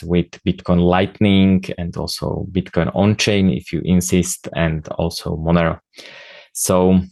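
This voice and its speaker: A man with a Slovak accent and Slovak as his first language, hosting a podcast and giving a halting, earnest presentation full of pauses. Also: low-pitched, vocal fry, darkish tone, no echo. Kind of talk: informal spoken presentation.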